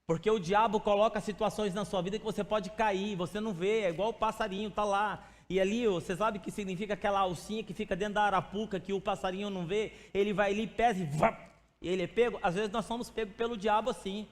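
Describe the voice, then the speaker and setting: A man's voice: high-pitched, fairly even intonation, fast. A male pastor preaching a sermon in a conversational way, speaking to the congregation by name and acting out little stories. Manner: acts out stories with quoted voices. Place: church sanctuary. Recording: long church hall reverb.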